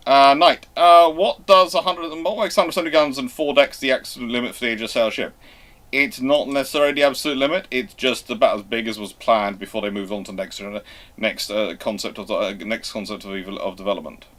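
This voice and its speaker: A man hosting a live question-and-answer history talk, speaking in a halting, emphatic way as he reworks his phrases. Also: mid-range voice, steady tone, fairly bright tone. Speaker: host answering viewer questions.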